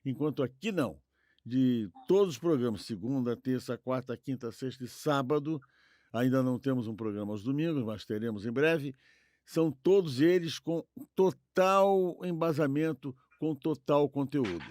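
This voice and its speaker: A man's voice: medium pitch, moderate pace, a little mellow, no echo, clean studio sound. A man with a Brazilian accent hosting a podcast in a conversational way. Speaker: host.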